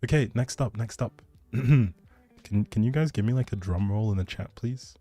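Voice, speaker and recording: A livestream host with a lowish, mellow voice chats with viewers in a rambling, informal way and announces a giveaway. He speaks at a moderate pace, and there's no room sound.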